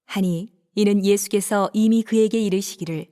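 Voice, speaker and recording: A woman narrating scripture in a steady, measured reading. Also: mid-range voice.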